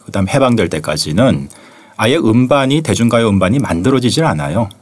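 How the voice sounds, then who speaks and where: A man's voice: fairly low pitch, lively intonation, brisk, slightly rough. A man in his forties, a music historian guest in a small studio, explaining in fluent, orderly sentences without notes, close to a studio mic. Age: 40s. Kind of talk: studio interview. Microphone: studio mic on arm, close.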